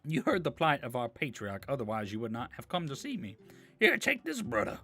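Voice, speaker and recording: A man's voice: mid-range voice, wildly swooping pitch, brisk, gravelly, bright, forceful tone, full character voice. A man voicing an old rock-creature tribe elder from a video game, reading the dialogue in hammy, amateurish bad acting. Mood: solemn.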